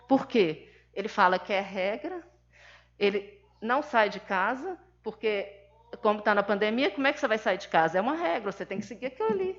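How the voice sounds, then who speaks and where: A woman's voice: on the high side, a bit bright. Emphatic Brazilian mother at a seminar. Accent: Brazilian Portuguese. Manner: emphatic, indignant storytelling with quoted dialogue. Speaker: seminar speaker, mother of an autistic son. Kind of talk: personal testimony at a seminar. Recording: dull lo-fi sound.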